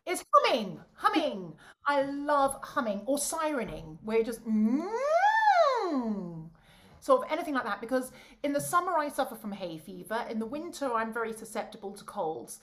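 A woman, an opera singer and voice coach, chatting in a bubbly, animated way and laughing often over a video call. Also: a little high, moderate pace. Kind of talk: casual chat.

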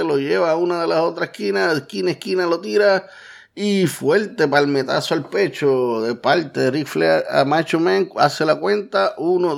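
A man's voice: on the high side, creaky. A man doing blow-by-blow wrestling commentary, repeating phrases for emphasis.

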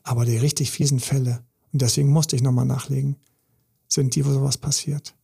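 A man's voice: medium pitch, level tone, brisk, gravelly, mellow, slightly rough. A man, a relationship coach giving an emphatic, intense podcast monologue full of repetition.

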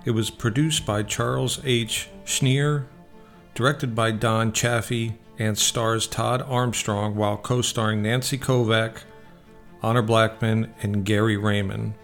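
A man hosting a radio show, giving film reviews. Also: medium pitch.

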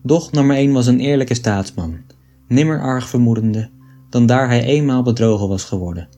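A man reading aloud an old book in a measured, deliberate way. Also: medium pitch, dark tone, soft background music. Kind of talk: scripted narration of an 18th-century text.

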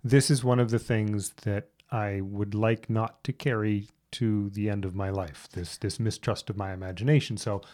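Woman, 50s, extremely low pitch, playful, casual chat. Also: steady tone, normal speed, few pauses, dark tone. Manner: playful, laughs at own jokes. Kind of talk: casual conversation.

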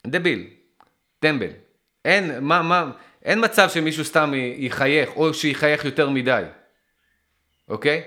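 A man's voice: a little high, long pauses. A man from Israel talking to his viewers in a casual, rambling monologue, often stopping and restarting as he thinks aloud, and getting emphatic. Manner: animated and emphatic.

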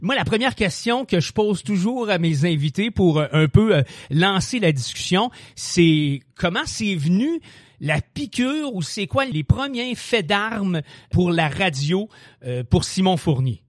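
A man's voice: high voice, sing-song, a little slow, dry recording, clean studio sound. A man, hosting a podcast interview in an easygoing, chatty way. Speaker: podcast host.

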